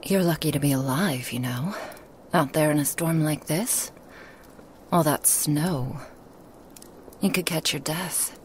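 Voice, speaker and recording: A woman playing a lonely, hospitable woman in a remote forest cabin, speaking softly and coaxingly in a half-whisper to the listener. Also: deep voice, slow pace, long pauses, a little hiss or hum. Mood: gentle. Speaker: ASMR roleplay performer. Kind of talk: ASMR roleplay, whispered to the listener.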